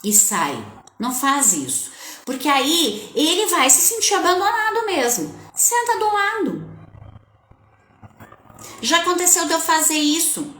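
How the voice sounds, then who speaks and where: Animated woman coaching parents live. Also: very high voice, a little slow. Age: adult with a child. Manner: animated, conversational, addresses viewers directly. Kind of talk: live-stream talk to viewers. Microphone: webcam or phone on a live stream. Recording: echoey room.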